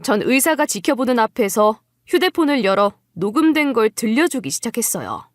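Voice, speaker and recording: A woman's voice: a little high, sing-song, normal speed, no room sound, studio quality. A woman giving scripted first-person dramatic narration of a story.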